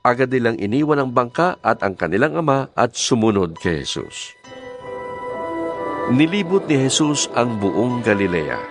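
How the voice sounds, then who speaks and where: A man with a Filipino accent narrating a scripted audio Bible. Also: medium pitch. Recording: music under the voice.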